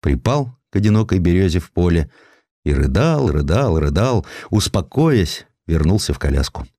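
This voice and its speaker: Deep-voiced, expressive male audiobook narrator. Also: moderate pace, no echo. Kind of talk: dramatized literary narration of a historical sketch.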